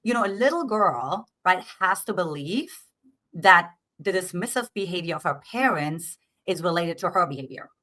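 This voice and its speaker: In an interview, this middle-aged East German dating coach lays out her ideas earnestly, with a German accent and frequent "right?" check-ins. She speaks at normal speed in a lowish, expressive voice with a sharp edge.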